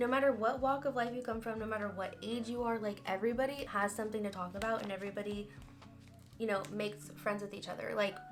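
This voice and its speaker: In a room with audible echo and music in the background, a woman speaks very fast at a fairly high pitch with ordinary pitch variation. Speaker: crafter and small business owner. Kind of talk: casual chat. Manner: loud; rambling, chatty.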